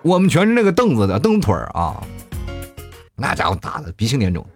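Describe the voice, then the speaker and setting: A man in his thirties reading out viewer comments in casual chat, often shouting quoted lines in exaggerated voices. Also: medium pitch, wildly swooping pitch, quick pace, faint music behind. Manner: chatty, acts out quoted lines loudly.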